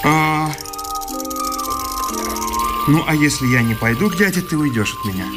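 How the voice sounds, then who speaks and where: An actor playing an anguished, idealistic young husband in a radio drama, impassioned and pleading, stammering and repeating himself. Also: male voice, on the high side, lively intonation, normal speed, close to an everyday voice. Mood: anxious, pleading. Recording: studio radio play with loud music. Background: music.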